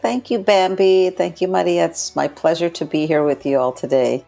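A woman's voice: fairly low pitch, steady tone, moderate pace, gravelly, warm tone, soft background music. A middle-aged woman who grew up in Los Angeles, speaking earnestly and thoughtfully as a guest in an interview. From born in Ecuador, grew up in Los Angeles. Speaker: podcast guest, nonprofit chief executive. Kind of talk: reflective interview conversation.

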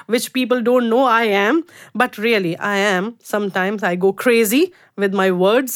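Middle-aged woman from India, halting speech. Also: fairly high pitch. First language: Urdu. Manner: halting, with many fillers and restarts. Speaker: guest artist and curator. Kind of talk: casual interview chat.

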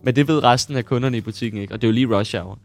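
A man's voice: mid-range voice, vocal fry, soft background music. A man co-hosting a podcast, telling a shop story in casual chat and laughing often. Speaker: podcast co-host.

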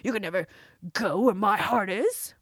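A woman voicing a huge, gruff male giant who bullies and shouts slowly, with a breathy voice. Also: no room sound, studio quality. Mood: gruff dismissive. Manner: slow booming shouts.

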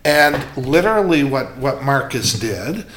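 Male host, mid-pitched, emphatic storyteller, casual. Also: sing-song, a little slow, fairly bright tone, slight background noise. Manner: chatty storyteller, candid and emphatic. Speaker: jeweler and show host. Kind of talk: casual podcast chat.

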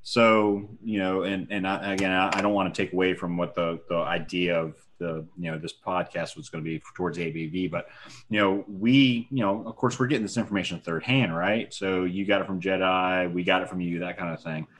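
A man's voice: sits low, steady tone, brisk, a bit bright. A man co-hosting a casual podcast chat, rambling with many restarts and laughing easily.

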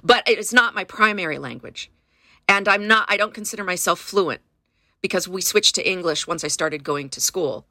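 Earnestly talking through her history as an interview guest, a Californian woman in her fifties with Spanish as her first language frequently begins sentences again. She uses a lowish, sharp voice at a moderate pace, in a dry, clean studio recording.

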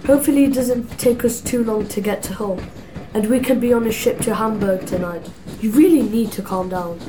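A woman's voice: on the high side, brisk, noisy background, close to an everyday voice. A young woman playing a cocky, stubborn male jewel thief in an amateur audio drama. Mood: smug, unworried.

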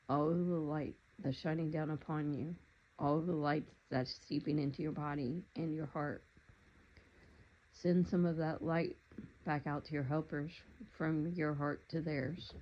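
Meditation guide, steady flat delivery, soft calm instructions, slightly muffled lo-fi recording. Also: mid-range voice. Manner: calm, unhurried, gently instructive.

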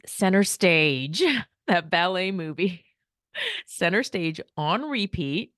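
A woman's voice: lowish voice, big pitch swings, takes it slowly, a bit bright, no room sound, studio quality. A woman, chatting casually and light-heartedly as a podcast host, laughing often. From United States. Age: 40s. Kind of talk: casual personal chat.

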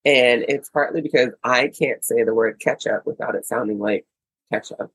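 A woman's voice: rumbling low, normal speed, husky, no echo, rough recording. An American woman co-hosting a casual podcast chat, chatty and playful. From United States. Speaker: podcast co-host.

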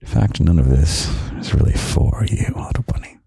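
A young man hosting a podcast of gentle, half-whispered comfort talk, slow and soft with quiet chuckles, close to the microphone. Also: rumbling low, animated, vocal fry, slightly rough, no echo. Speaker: podcast host.

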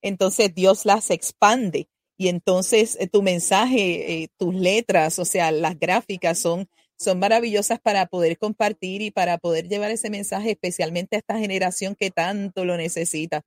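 A woman's voice: medium pitch, fairly even intonation, moderate pace, no echo, clean studio sound. A woman hosting a live talk show interview, introducing her guest and asking questions with effusive praise. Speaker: host.

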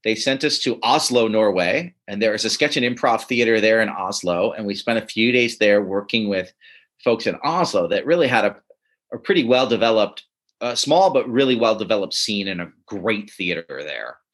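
A man who writes and teaches comedy, telling stories in a relaxed interview, often chuckling and restarting his sentences. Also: lowish voice, normal speed. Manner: animated, chuckling, many restarts. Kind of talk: casual interview storytelling.

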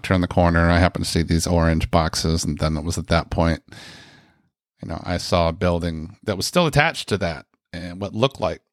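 A man's voice: deep voice, a bit bright, no echo, studio quality. An American man, telling a personal story in a rambling, chatty way with lots of fillers and asides. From United States. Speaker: speaker sharing a personal story. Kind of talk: casual storytelling.

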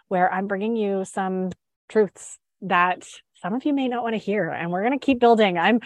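A woman's voice: medium pitch, normal speed, no room sound. Upbeat, stuffed-up woman podcast host. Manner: upbeat, chatty, with fillers and restarts. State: stuffed up with a head cold. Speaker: podcast host and sugar freedom coach. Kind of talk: casual live-stream talk.

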